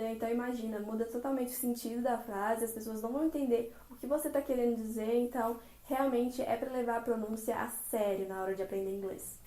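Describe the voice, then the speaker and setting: A woman with a Brazilian Portuguese accent giving language-learning tips in a chatty, expressive tutorial vlog. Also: on the high side. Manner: chatty and expressive, acts out little dialogues. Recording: roomy, echoey room.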